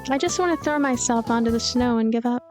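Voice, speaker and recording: Lonely ghost girl, played by a woman, higher pitch, deadpan, weary, gloomy first-person visual novel narration, music behind. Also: fast, close to an everyday voice.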